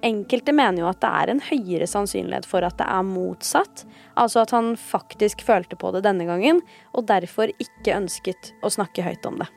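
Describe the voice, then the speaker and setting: A woman's voice: mid-range voice, a little mellow. Woman narrating true crime over music. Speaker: true crime podcast host. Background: background music.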